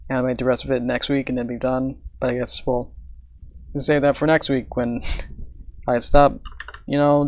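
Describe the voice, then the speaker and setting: Tired, rambling man on a live stream. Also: mid-range voice. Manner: rambling, hesitant, many fillers and soft laughs. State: tired, slightly out of breath. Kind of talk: casual live stream chat while animating.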